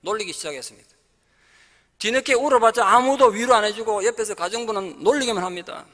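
A middle-aged male pastor delivers a sermon in a very high, bright, ringing voice. He tells a story vividly, switching into the voices of its characters and rising to firm exhortation. His voice carries a long church reverb. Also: fast talker. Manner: storytelling, acting out dialogue of characters. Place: church sanctuary.

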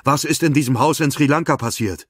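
A man's voice: fairly high pitch, a little fast, slightly rough, no echo, clean studio sound, voice pushed up. A man reading an audiobook, voicing a fierce woman police officer who interrogates at gunpoint. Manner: commanding, interrogating.

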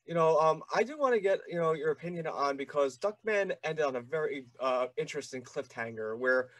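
A man's voice: on the high side, lively intonation, brisk, a bit bright, no room sound. A young man hosting an interview, asking long rambling questions with eager fan enthusiasm. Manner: rambling, many fillers and restarts, eager fan. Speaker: podcast host.

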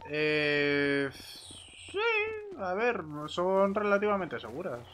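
A man talks casually over game voice chat. His voice sits a little high, and there is faint noise on the microphone. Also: drawn-out words, fairly bright tone. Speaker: online roleplay game player.

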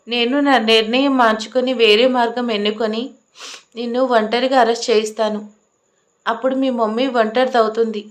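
A woman's voice: a little high, lightly acted. A woman voicing an arrogant, stubborn young man who speaks in curt, commanding lines in an audio love story.

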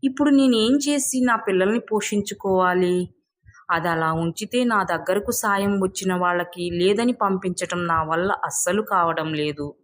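A woman's voice: mid-range voice, normal speed, close to an everyday voice. Woman as earnest, generous poor village man. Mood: anguished. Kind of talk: moral storybook tale.

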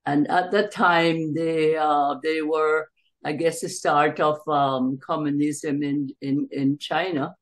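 An older woman from Jamaica recounting her family history in an interview, hesitantly, with long pauses, on a video call from a room at home. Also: sits low, steady tone. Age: older, around 70s. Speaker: interview guest, author. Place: small bright room at home, indoors. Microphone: computer mic on a video call.

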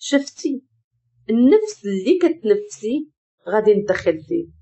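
A woman with a Moroccan accent voicing a jealous, controlling young husband who speaks calmly and gives orders. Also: fairly high pitch, moderate pace. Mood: cold. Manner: calm and commanding.

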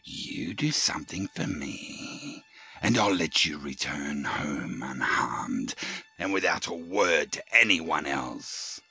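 An actor playing a creepy, menacing old undead Australian grave robber in an audio drama, gravelly and theatrical, leering between hush and shout. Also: male voice, very deep voice, exaggerated voice.

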